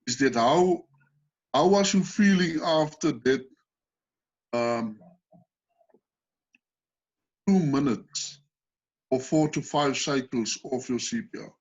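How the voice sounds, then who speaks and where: A South African man leads a first aid class over a call, patient and explanatory, often pausing to ask the group questions. His voice is husky and mid-pitched. The call audio is dull and lo-fi. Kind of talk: online training session.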